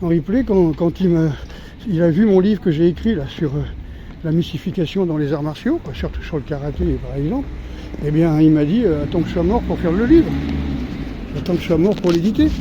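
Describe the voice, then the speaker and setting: Noticeable background noise sits behind a man with a high pitch. He talks at a fairly quick pace with long, frequent pauses. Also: ordinary pitch variation. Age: 60s. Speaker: martial arts teacher. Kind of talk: vlog monologue. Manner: animated; halting.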